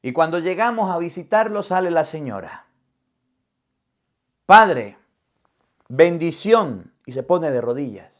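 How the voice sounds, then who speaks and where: A priest preaching a homily in a somewhat high voice. He is a middle-aged man and a lively storyteller who slips into the voices of the people in his story. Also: brisk. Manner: vivid storyteller who acts out dialogue. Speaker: Catholic priest. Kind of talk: sermon with personal storytelling.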